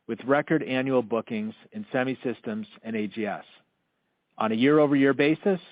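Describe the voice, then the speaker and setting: A man's voice: medium pitch, no room sound. Dull-sounding conference-call man, formal and scripted. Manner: formal, measured corporate delivery. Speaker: company finance executive. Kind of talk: scripted earnings call presentation.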